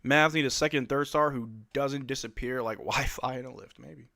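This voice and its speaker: Excitable man calling a game on stream. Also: mid-range voice, fairly quick, creaky. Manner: excitable, joking fan reacting to chat. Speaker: livestream host. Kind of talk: live play-by-play watch-along commentary.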